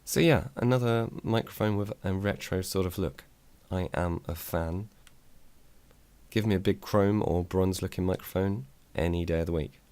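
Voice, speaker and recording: In a casual, dry, self-deprecating style, a tech reviewer with a low voice talks about a microphone he's reviewing, recorded on a desk mic mounted on an arm. He speaks at a moderate pace, and his tone is clear, resonant, and a little mellow. There's no echo.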